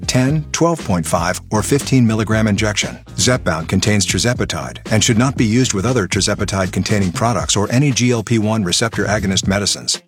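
A man with a lowish voice runs through a medicine disclaimer, flat and rushed. Faint music sits far beneath him. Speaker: ad announcer. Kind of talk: rapid legal disclaimer read.

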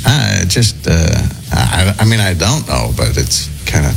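A male morning radio host with a low voice that swings widely in pitch. He sounds under the weather and is losing his voice, often stopping and restarting as he talks. Music plays clearly behind him in the studio. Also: sing-song. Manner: hesitant, halting delivery. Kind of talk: morning radio talk show.

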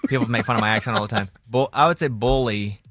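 Fast-talking Southern radio host. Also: male voice, mid-range voice, a bit bright, no room sound. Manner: quick, self-deprecating and joking. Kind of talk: casual radio chat.

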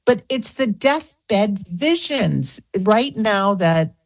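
A woman's voice: mid-range voice, very animated, drawn-out words, no room sound, clean studio sound. A woman in her sixties, a guest on a radio interview, talking earnestly and piling up examples. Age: 60s. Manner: earnest, talks in lists and repeats phrases. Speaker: guest author.

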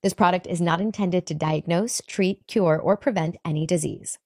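A woman reads a commercial script with a polished, brisk delivery. Her voice sits a little low. The sound is dry and close. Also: a little mellow, no room sound. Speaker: ad announcer.

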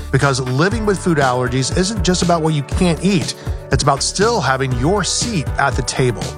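Male announcer, slightly high voice, inviting promo read over music.

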